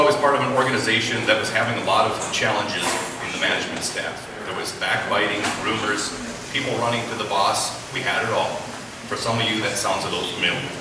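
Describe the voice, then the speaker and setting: A man giving a public talk and reading from his own book to a live audience, addressing listeners directly as an author and host. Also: fairly low pitch. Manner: rhetorical questions to listeners. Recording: very echoey, noisy room from far off.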